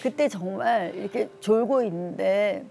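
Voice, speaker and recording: Middle-aged woman guest, soft dark voice with some fry, telling a personal testimony with deep feeling. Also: measured pace, soft background music. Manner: earnest, emotional, retells talk with her daughter. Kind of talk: tearful personal testimony on a talk show.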